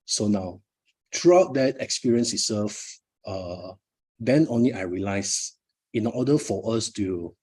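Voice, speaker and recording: Malaysian man with a husky voice. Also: on the low side, animated, unhurried, warm tone. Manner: hesitant, many fillers and repeated words. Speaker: author and speaker at his book launch. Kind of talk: live motivational talk.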